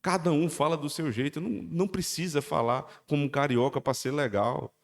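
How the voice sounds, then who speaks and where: Emphatic Paraíba pastor in echoing hall. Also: male voice, a little fast. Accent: Paraíba Brazilian Portuguese. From Paraíba, Brazil. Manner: emphatic, exhorting, lively pitch swings. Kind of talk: sermon. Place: church hall. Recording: long church-hall reverb.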